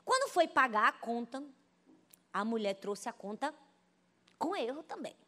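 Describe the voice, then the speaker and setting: A Brazilian woman pastor preaching a sermon, telling stories with lively, animated delivery and often turning to the congregation. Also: fairly high pitch, measured pace. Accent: Brazilian Portuguese. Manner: animated storytelling, addresses the congregation as "gente". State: pregnant.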